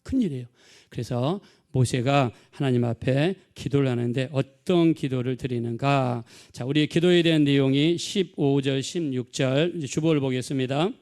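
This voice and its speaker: A man preaching a sermon as pastor, animated, with wordplay and questions thrown to the congregation. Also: mid-range voice, normal speed. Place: church sanctuary.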